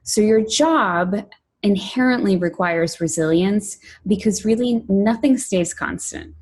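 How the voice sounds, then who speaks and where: Woman giving a measured conference talk. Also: mid-range voice, darkish tone. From Poland, raised in New York City. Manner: clear, measured presenting with lists and emphasis. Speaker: conference speaker, product director.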